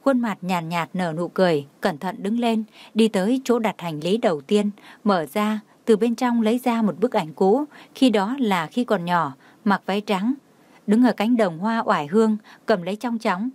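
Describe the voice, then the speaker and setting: A woman narrating a romance story in a steady, even audiobook reading. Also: medium pitch, normal speed, dry recording.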